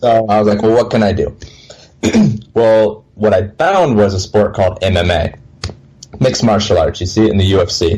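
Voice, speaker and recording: With long, frequent pauses and very even loudness, a man speaks in a fairly low pitch against noticeable background noise. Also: ordinary pitch variation, moderate pace. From US Midwest, Minnesota. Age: 20s. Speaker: kickboxing coach. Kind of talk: interview.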